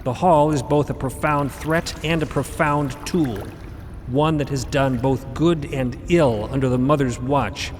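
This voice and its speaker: An actor playing an eccentric, cryptic elder grandparent in an audio drama, with formal, theatrical diction. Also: male voice, medium pitch, unhurried, big-room sound, soft background music, natural voice. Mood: grave, cryptic. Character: eccentric elder robed mother-figure, male, grandparental, breezy and cryptic.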